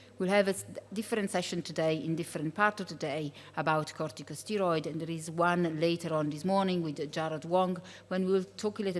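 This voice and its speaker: In an Italian accent, a woman speaks at a fairly quick pace with ordinary pitch variation. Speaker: neurologist. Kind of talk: conference talk. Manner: halting.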